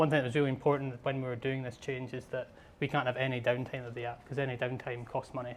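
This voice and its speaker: A man with a Scottish accent speaks at a very fast pace. His medium pitch stays monotone and flat. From Scotland. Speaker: software developer, conference presenter. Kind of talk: conference talk. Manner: casual, with fillers.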